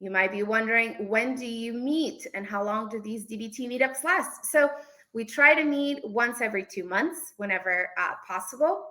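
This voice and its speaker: A woman's voice: fairly high pitch, moderate pace, sharp tone. A woman from Portugal giving an informal online presentation as an events manager.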